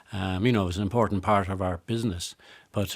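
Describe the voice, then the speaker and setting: A man speaks very fast with a Dublin accent. His pitch is fairly low and his intonation fairly even. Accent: Irish (Dublin). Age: 60s. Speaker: business owner. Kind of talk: radio interview. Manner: halting, many fillers and repetitions.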